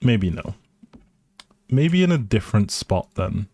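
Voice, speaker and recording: A man's voice: on the low side, sing-song, unhurried, a little mellow, no room sound. A man live streaming a video game with casual, hesitant commentary, thinking aloud and often trailing off. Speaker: live streamer playing a life simulation game.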